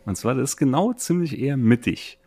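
A man's voice: mid-range voice, lively intonation, a little fast, a little mellow, no room sound. A man chatting casually and colloquially as a podcast host. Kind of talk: casual chat.

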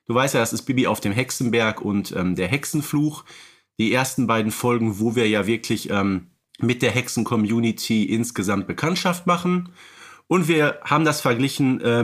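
A man's voice: mid-range voice, fairly bright tone. A man co-hosting a podcast, explaining at length in casual chat, with many fillers. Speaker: podcast co-host.

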